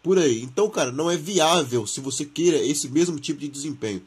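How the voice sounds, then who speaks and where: A man's voice: a little high, animated, fairly quick, husky. A Brazilian man hosting a gaming channel, reading and commenting on news in informal, slangy talk, his throat sore from the flu.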